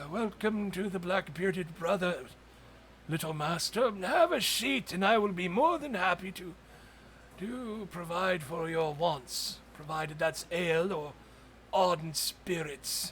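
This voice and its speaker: Over clear background noise, a man puts on a character voice pitched high, speaking at a fairly slow pace. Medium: actual play. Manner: formal, weary.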